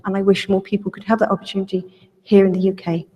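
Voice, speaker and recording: A woman giving a slow, steady, earnest personal account as a speaker on a panel. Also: medium pitch, heavy background noise. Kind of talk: personal testimony. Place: public lecture hall. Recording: reverberant lecture hall.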